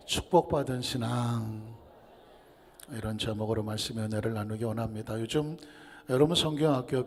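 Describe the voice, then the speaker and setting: Korean pastor preaching in reverberant church. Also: male voice, medium pitch, a little mellow, breathy edge. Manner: engages the congregation with questions. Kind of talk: sermon with a humorous story. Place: church sanctuary. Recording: long hall reverb in a church.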